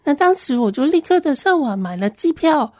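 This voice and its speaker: Woman, high-pitched, dry recording, earnest personal testimony. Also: very animated, fairly quick, darkish tone, no echo. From Hong Kong. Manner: earnest, plain storytelling. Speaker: Christian ministry worker giving a testimony.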